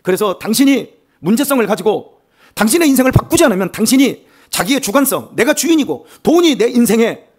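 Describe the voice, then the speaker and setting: Older man, Chungcheong accent, high husky voice, lively church sermon, joking. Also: brisk. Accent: Chungcheong Korean. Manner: animated, humorous, self-mocking preaching. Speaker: pastor. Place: church sanctuary.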